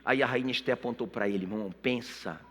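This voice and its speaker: A man's voice: mid-range voice, quick pace, a bit bright. A man, a pastor giving a sermon, telling the story vividly and addressing the listeners directly. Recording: reverberant church hall with faint music.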